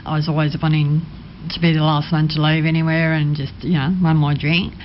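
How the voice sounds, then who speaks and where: A woman from Sydney, telling her story as a studio guest, hesitant and soft-spoken with many pauses. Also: low-pitched, flat delivery, dull audio, slight background noise. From Sydney, Australia. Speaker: interview guest. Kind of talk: personal testimony. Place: radio studio.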